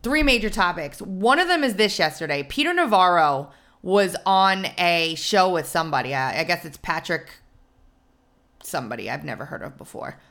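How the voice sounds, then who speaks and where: A woman hosting a podcast, her voice hoarse and scratchy, telling stories in a lively, animated way. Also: on the low side, moderate pace. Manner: animated storyteller. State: hoarse from screaming. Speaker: podcast host. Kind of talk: casual chat.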